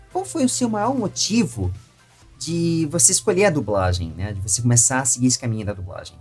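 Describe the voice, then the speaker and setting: A man with a husky, slightly rough voice at a middle pitch hosts a conversational interview. Faint music runs behind his voice. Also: darkish tone. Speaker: interview host.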